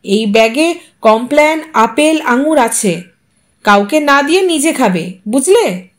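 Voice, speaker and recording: A woman voicing a sharp, bossy, anxious wife who scolds and demands in an audio story. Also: high-pitched, expressive, unhurried.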